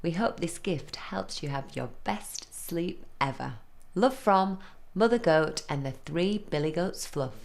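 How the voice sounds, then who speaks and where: A woman's voice: fairly low pitch, animated, a little slow, vocal fry. A woman voicing a kindly mother goat from a children's storybook, politely reciting her written notes. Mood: polite, apologetic.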